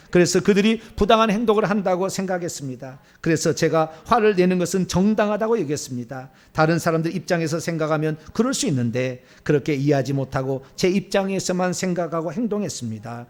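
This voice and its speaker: A middle-aged male pastor who preaches and leads a repentance prayer with fervent, declamatory force. His voice sits high for a man. It swings widely in pitch as he pushes each confession and vow. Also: a bit bright. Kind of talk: sermon and led repentance prayer.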